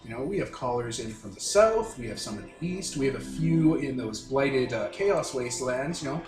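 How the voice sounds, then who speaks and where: A man playing a breezy, flattering radio talk-show host who chats indulgently with his guests in a showman's patter. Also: medium pitch, moderate pace, roomy sound, music in the background, close to an everyday voice. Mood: chatty, flattering. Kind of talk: radio interview role-play.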